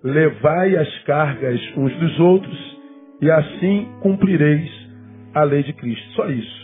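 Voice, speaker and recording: A fifty-year-old Brazilian pastor with a Rio de Janeiro accent, preaching conversationally to a congregation and repeating words for emphasis. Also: male voice, fairly high pitch, slow. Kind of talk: sermon, conversational teaching to a congregation. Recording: thin phone-like sound, guitar music behind.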